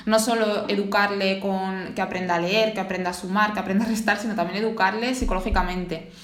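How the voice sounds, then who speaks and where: Podcast host, woman, medium pitch, sums up and moves on, echoing room sound. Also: fairly even intonation, brisk, fairly bright tone. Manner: friendly interviewer, sums up and leads to questions. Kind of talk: podcast interview.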